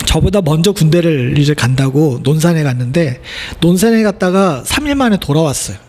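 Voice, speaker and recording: Male pastor, middle-aged, high-pitched, conversational sermon full of questions to the pews. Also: animated, fairly quick, a little mellow. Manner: conversational preaching with rhetorical questions to the congregation. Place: church sanctuary.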